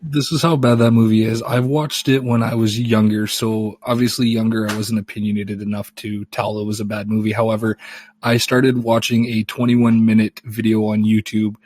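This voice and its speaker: A man with a husky voice, chatting casually on a podcast. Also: lowish voice, level tone, normal speed, a little mellow. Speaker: podcast panelist.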